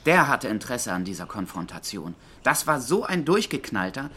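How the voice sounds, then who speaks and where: A man's voice: medium pitch, sing-song, moderate pace, pushed and bright, a little hiss or hum. A man playing a defensive, idealistic environmental activist under questioning in a crime radio drama, evasive and easily indignant. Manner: evasive, indignant, hesitant when pressed.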